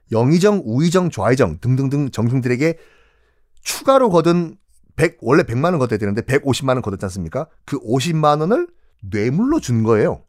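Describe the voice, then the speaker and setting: A man's voice: mid-range voice, a little mellow, no room sound, clean studio sound. A man telling history in a playful, joking way, acting out little scenes as he goes. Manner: playful, jokey, acts out scenes. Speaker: history storyteller. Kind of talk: lively history lecture.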